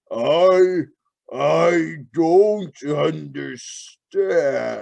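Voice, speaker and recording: A man's mumbling, guttural put-on character voice at a fairly high pitch. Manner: mumbling, bewildered.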